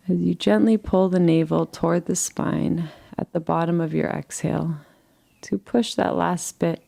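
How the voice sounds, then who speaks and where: A woman leading a guided relaxation meditation in a soothing, gentle way, leaving unhurried pauses between phrases. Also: fairly low pitch, gravelly.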